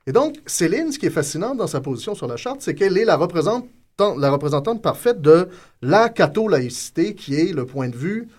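Male panelist, analytical and animated. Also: high-pitched, brisk. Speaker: guest commentator. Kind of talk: panel discussion.

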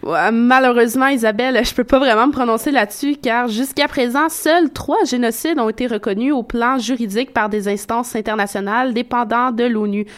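A woman's voice: on the high side, fairly quick, hardly any pauses. A woman giving a radio segment, explaining facts step by step in a conversational way. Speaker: radio columnist.

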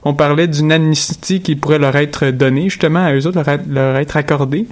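Halting young man on campus radio. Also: fairly high pitch, steady tone. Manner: halting, many fillers and restarts. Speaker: news segment presenter. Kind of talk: radio news recap chat.

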